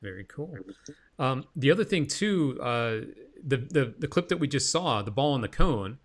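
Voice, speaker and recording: A man's voice: mid-range voice, expressive, normal speed. A man hosting a casual interview, talking in an informal, effusive and slangy way. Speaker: interviewer, show host.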